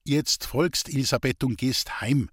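A man's voice: medium pitch, steady tone, a little slow, a bit bright, breathy edge, no room sound, studio quality. A man voicing a sturdy young forest worker who talks brusquely and firmly. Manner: brusque, firm, awkwardly cheerful.

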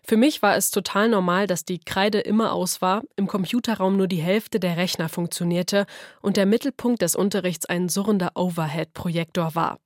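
A woman reporter from western Germany reading a scripted radio feature in an even way. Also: lowish voice, moderate pace, no echo, clean studio sound. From North Rhine-Westphalia, Germany. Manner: even, read-aloud delivery.

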